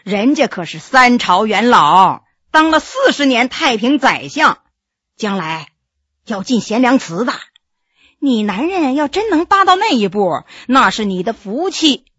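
A woman's voice: fairly high pitch, very animated, measured pace, fairly bright tone, breathy edge, dry recording, muffled recording, heavily acted. A woman voicing a playful, ambitious male Qing minister in a storybook reading. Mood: teasing, self-assured. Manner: jovial, teasing, self-assured.

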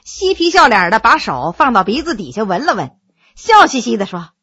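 A woman telling a historical story in expressive narration. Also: on the high side, normal speed, breathy edge.

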